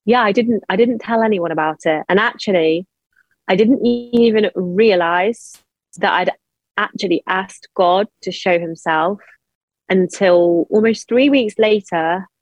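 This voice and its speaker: A woman in her thirties from England, telling a personal story of grief as an interview guest, speaking in quick emotional bursts. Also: no room sound, low-quality recording. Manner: emotional, quick bursts of speech rising high when angry.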